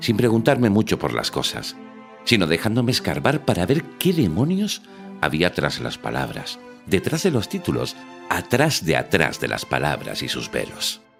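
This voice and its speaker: Music plays behind a man whose delivery keeps a moderate pace. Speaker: radio presenter. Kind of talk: audiobook narration.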